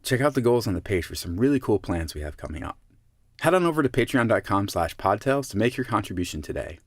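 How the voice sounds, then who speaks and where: A man's voice: on the low side, lively intonation, quick pace, dry recording, studio quality. A man reading a scripted promotional announcement as a member of a podcast team.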